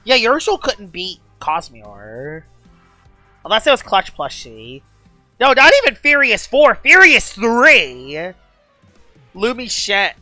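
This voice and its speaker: A woman game streamer talking excitedly in a casual live-stream chat, gushing and chatty. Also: mid-range voice, takes it slowly, no room sound, faint music behind.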